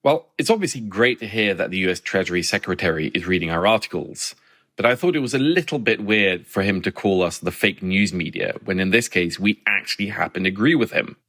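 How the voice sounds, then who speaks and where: Measured Norwegian-born journalist, low voice. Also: male voice, expressive, fairly bright tone, dry recording. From Norway. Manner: thoughtful, measured, wry. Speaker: journalist and guest. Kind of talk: interview answers.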